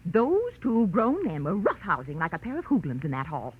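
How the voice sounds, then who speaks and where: A low, husky American busybody spinster, prim and scandalized, her chatter swooping wildly. She is a gossipy neighbor in a 1940s radio play, heard on a muffled old recording. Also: huge pitch swings, normal speed. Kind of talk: 1940s radio character acting.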